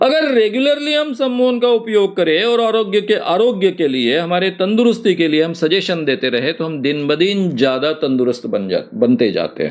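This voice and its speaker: Noticeable background noise sits behind the speech. The voice barely pauses and swings very widely in pitch. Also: man, high pitch for a man, moderate pace. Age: 70s. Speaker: self-hypnosis workshop teacher. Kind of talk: course promotion talk.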